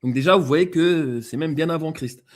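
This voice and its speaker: A guest presenter on a show, this man speaks French with a non-native-sounding accent in a voice on the high side, at a moderate pace. He explains slides and reads passages aloud, with many fillers and restarts.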